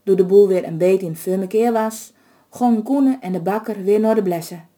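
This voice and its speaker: Dark-toned woman telling a folk tale. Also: mid-range voice, normal speed. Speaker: storyteller. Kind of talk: reading a folk tale aloud.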